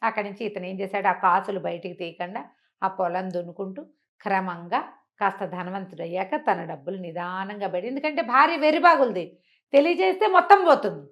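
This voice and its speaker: A woman's voice: mid-range voice, brisk. A woman storyteller telling a folk tale in a colloquial, conversational way.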